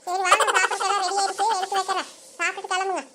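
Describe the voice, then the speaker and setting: Cartoon voice actress, very high voice, quick chatty village banter. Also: female voice, flat delivery, very noisy. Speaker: narrator voicing all characters. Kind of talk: cartoon voice acting.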